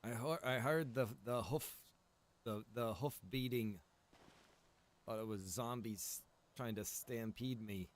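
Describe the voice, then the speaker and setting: A man of middling pitch talks off the cuff as a game streamer who runs his own server. He speaks informally and loosely, circling back and repeating phrases as he works through a thought. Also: takes it slowly. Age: adult, past early twenties. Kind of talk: casual livestream chat while gaming.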